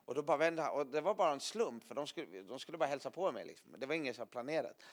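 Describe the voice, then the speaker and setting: A man's voice: mid-range voice, expressive. A man preaching a sermon to a gathering, telling vivid stories with sound effects and frequent laughter. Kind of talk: sermon with lively storytelling.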